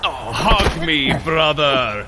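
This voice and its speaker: An actor playing a hearty, loyal Norse thunder god in an audio drama, speaking in an earnest, formal, theatrical way. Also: male voice, fairly high pitch, animated, takes it slowly. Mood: boisterous, mock-sad. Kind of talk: audio drama acting, archaic formal speech. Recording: clearly noisy outdoor ambience behind.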